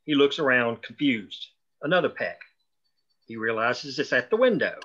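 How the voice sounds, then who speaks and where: A man's voice: mid-range voice, lively intonation, normal speed, a bit bright, highs cut off. A man reading scripted stage directions aloud at a screenplay table read.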